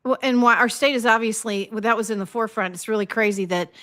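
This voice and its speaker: Agreeable higher-voiced woman co-host. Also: bright, forceful tone. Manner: agreeable, quick to chime in with short replies. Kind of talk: political talk show chat.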